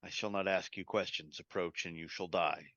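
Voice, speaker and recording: A man voicing a stern, unyielding angel guardian in a tabletop game, speaking in solemn, measured pronouncements. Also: deep voice, steady tone, fairly bright tone, dry recording, muffled recording, pitched below the performer's own voice. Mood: coldly threatening.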